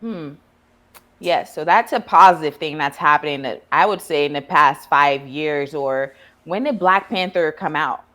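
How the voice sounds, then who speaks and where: This woman's voice is deep, bright and forceful, and she speaks at a measured pace. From Ghana, she works as a therapist and podcast host, and here she leads an easygoing interview full of friendly questions and ready laughter.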